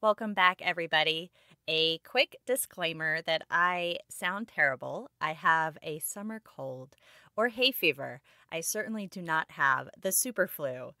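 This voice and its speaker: A woman's voice: low-pitched, animated, a little slow, bright, forceful tone, no echo, studio quality. A woman hosting a solo podcast, talking casually with frequent ums. She has a sore throat and sounds nasal and congested. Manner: chatty, with frequent ums and uhs. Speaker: podcast host.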